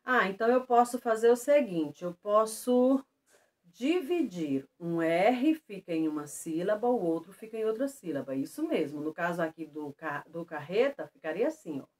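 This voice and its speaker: A Brazilian woman teacher giving a lesson to schoolchildren, stressing example words slowly and clearly. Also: mid-range voice. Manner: lively, slow and emphatic on example words. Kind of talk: remote lesson for children.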